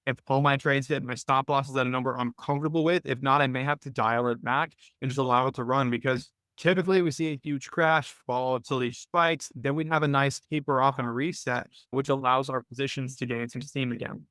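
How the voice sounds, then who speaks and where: A man speaks as the host of an informal live coaching call. His voice is mid-pitched and crisp, and he explains things step by step, often restating his points. The sound is close and dry, with very little room in it. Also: steady tone, a little fast, few pauses, a bit bright, no room sound. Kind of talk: informal financial coaching, live webinar commentary.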